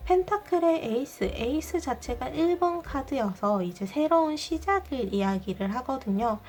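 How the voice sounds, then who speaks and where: A young woman giving a tarot reading to viewers in a calm, explanatory, polite way. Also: high-pitched, normal speed. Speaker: tarot reader.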